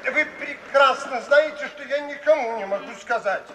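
A flustered old parson with a very high, bright voice and a self-important, hesitant manner. The vintage radio play sounds distant and echoey. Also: male voice, moderate pace. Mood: flustered, insistent. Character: pompous, flustered older clergyman father, ineffectual. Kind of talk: theatrical radio drama acting. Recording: noisy 1950s recording, distant and echoey hall.

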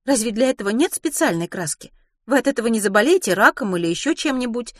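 A woman's voice: fairly high pitch, animated, fast, fairly bright tone, no room sound, studio quality, voice pushed up. A woman voicing a frank, level-headed young woman with a direct, reasonable manner in an audiobook story.

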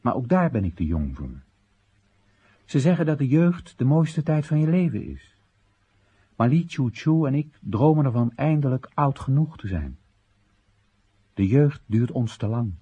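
Earnest young man, very husky. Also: mid-range voice, very animated, unhurried, long pauses, mellow, highs cut off. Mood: wistful. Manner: earnest, explanatory, emphatic. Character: earnest young Chinese man, dutiful and wistful. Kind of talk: radio play monologue.

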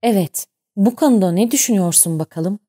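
A woman's voice: medium pitch, brisk, dark tone, husky, lightly acted. A woman voicing a harsh, domineering male ship captain who barks and scorns in an audiobook. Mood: mocking, cold. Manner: barking, scornful.

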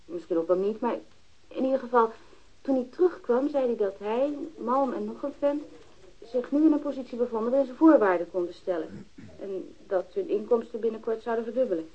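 A woman's voice: on the high side, a little fast, a little mellow, natural voice. An actress playing a frank, matter-of-fact woman who uses drugs, giving testimony in a radio crime drama. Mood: matter-of-fact, recounting. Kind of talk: Dutch radio drama dialogue. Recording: dull, lo-fi archived radio recording.

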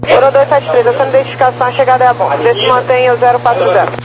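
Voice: high voice, flat delivery, fast talker, highs cut off. An air traffic controller with a Brazilian accent giving terse, clipped procedural instructions over aviation radio. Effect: aviation radio transmission.

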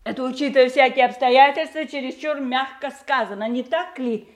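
An actress playing a bitter, mocking grown daughter in a Russian radio play, with a sarcastic, theatrical delivery. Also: female voice, sits high, moderate pace, lightly acted. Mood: taunting.

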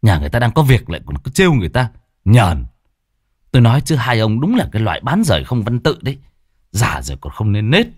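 A young medium lectures and scolds in a measured, lower voice with lively rises, as a male storyteller acts him out. He sounds sure of himself. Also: no echo, clean studio sound. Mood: scolding.

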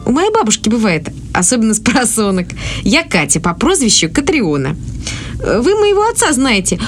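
An actress playing an eccentric, forthright young woman in a radio drama, chatty and idealistic. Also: fairly high pitch. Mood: chatty, matter-of-fact. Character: eccentric, earnest, fearless young woman fighting evil.

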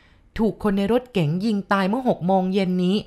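A woman voicing a female ghost who calls out at night, speaking in a slow, drawn-out, haunting way. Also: mid-range voice, dark tone, natural voice. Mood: eerie.

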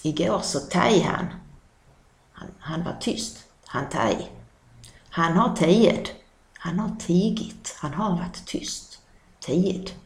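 A woman with a Scanian Swedish accent teaches dialect words in a patient lesson, repeating each term and explaining what it means. Her voice has a gravelly edge. The room gives it a noticeable echo. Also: lowish voice, expressive, pauses often.

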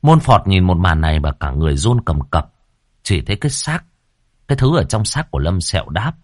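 A man narrating a ghost story in a vivid, lively way. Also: deep voice, a little fast, dry recording, clean studio sound. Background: faint background music.

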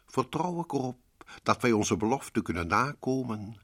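A man playing a sinister, theatrical host in black, narrating a horror radio play with drawn-out menace. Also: mid-range voice, expressive, a bit bright. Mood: sinister, mock-cosy. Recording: old radio drama recording.

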